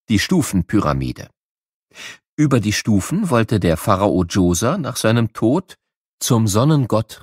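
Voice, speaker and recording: A man reading scripted educational narration for children in a clear, explanatory storytelling manner. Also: lowish voice, darkish tone, no echo, clean studio sound.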